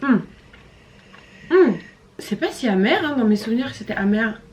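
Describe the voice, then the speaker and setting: A woman's voice: on the high side, animated, normal speed, faint music behind. A young French woman with a French accent, chatting bluntly and animatedly in a casual food-tasting vlog. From France. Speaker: vlogger.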